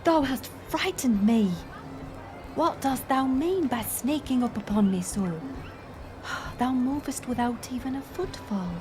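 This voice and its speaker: Curious, wry village woman, acted by a woman: high voice, slow measured archaic speech, teasing, music behind. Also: animated. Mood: startled, teasing. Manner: teasing, measured, formal old-fashioned phrasing. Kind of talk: intimate archaic-speech audio roleplay.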